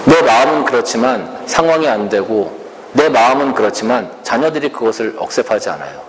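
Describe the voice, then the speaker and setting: A man preaching a sermon slowly and earnestly, asking the congregation rhetorical questions. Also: medium pitch, animated. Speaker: pastor. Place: church sanctuary. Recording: reverberant church hall with faint room noise.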